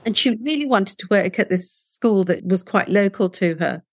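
An earnest woman whose first language is Punjabi talks as an interview guest, leaning on rhetorical questions to persuade. Her voice sits at an ordinary middle pitch. The recording is close and dry, with no room sound. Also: animated, normal speed, no room sound.

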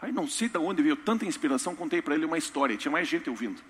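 A man preaching a sermon in a church, humorous and storytelling with lively asides. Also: a little high, very fast. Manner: storytelling, humorous, animated impressions. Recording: reverberant church hall.

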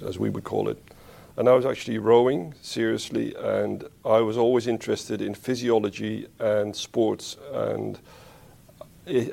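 A man from the Netherlands, a spine surgeon being interviewed, who talks in a thoughtful, unhurried way and corrects himself as he goes. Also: on the low side, creaky, dark tone. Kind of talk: conversational interview.

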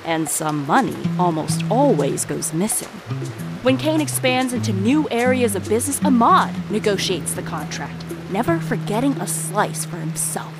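Woman playing a sly, animated storytelling jewel seller. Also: medium pitch, normal speed, close to an everyday voice. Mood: dramatic storytelling. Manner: conspiratorial, teasing, dramatic storytelling. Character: Marla, sly theatrical jewel seller telling a tale. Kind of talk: audio drama narration addressed to the listener. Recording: music playing behind the voice.

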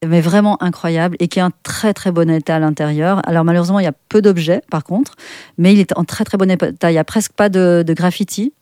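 A middle-aged woman with a Swiss French accent, chatting as a guest in an interview, full of fillers and restarts and quick to laugh. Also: on the low side, fairly even intonation, warm tone, no room sound, studio quality. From Switzerland. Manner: chatty, many fillers and self-corrections, laughs often. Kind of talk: casual interview chat.

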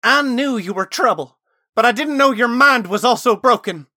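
A man voicing a hard, furious, distrustful farm woman in an audiobook fantasy story, shouting and spitting out dismissive words. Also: very high voice, expressive, normal speed, voice pushed up, heavily acted.

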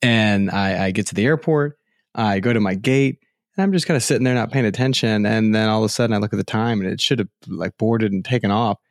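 A man's voice: lowish voice, fast talker, no room sound, clean studio sound. A man in his thirties co-hosting a podcast, telling stories in an easygoing way with frequent restarts. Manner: relaxed storytelling with restarts and laughs. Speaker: podcast co-host. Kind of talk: casual chat.

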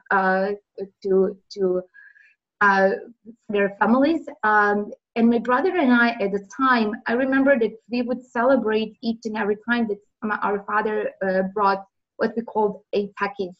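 A woman from Serbia, answering interview questions earnestly with many pauses, heard over a remote call. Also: medium pitch, fairly even intonation, highs cut off. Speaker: interview guest.

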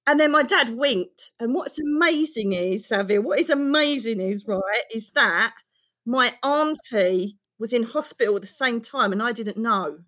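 A middle-aged woman who is an author, telling her personal story in an interview in a frank, expressive way that runs on quickly. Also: on the high side. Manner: emotional, expressive, fast-running storytelling. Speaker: guest author.

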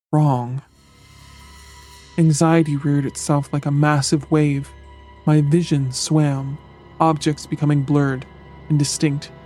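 A man reading a first-person horror story aloud in a measured, dramatic storytelling manner. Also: fairly high pitch, warm tone. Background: faint background music.

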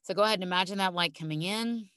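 A woman coach gently guiding a calm grounding exercise with soothing, gentle instructions. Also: medium pitch, rapid-fire, smooth, no room sound, clean studio sound. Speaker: coach leading a guided calming exercise. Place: recording space.

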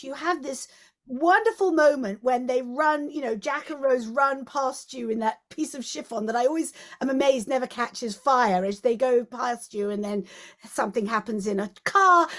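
A woman co-hosting a podcast, asking long, eager questions like a fan. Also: high-pitched. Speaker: podcast co-host. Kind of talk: enthusiastic interview questions.

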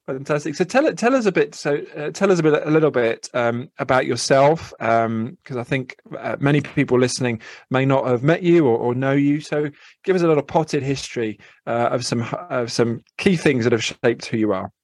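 A man's voice: mid-range voice, normal speed, no echo. A man hosting a podcast interview, friendly and a little hesitant, with many fillers and restarts. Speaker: podcast host.

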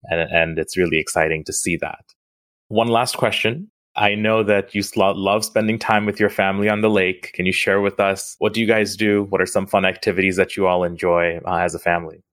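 A man's voice: low-pitched, fairly even intonation, fairly quick, fairly bright tone, no echo. A man from Bangladesh hosting a podcast interview in a conversational style. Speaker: podcast host.

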